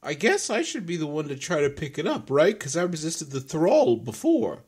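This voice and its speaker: A man's voice: a little high, wildly swooping pitch, moderate pace, darkish tone, slightly rough. A man playing a tabletop game, declaring his character's actions in a playful, goofy way. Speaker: player.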